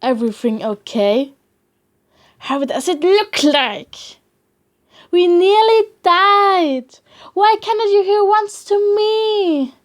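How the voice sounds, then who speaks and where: Woman voicing a high-pitched, emotional female warrior cat. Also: expressive, slow pace, full character voice. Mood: worried. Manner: emotional, accusing, pleading. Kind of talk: dramatic animated film audition.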